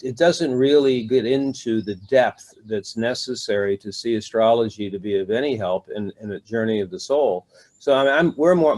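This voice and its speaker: An older man answering interview questions in an easy conversational way. He often stops, repeats words and fills pauses with "uh" and "um" as he works through his thoughts. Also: medium pitch, darkish tone. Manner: rambling, many fillers and restarts. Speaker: astrologer, interview guest.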